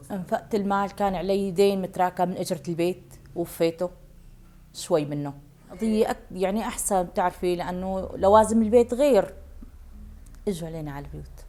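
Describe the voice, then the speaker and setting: A woman's voice: lowish voice, mellow. A woman from Syria giving casual testimony as an aid recipient. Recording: faint background noise.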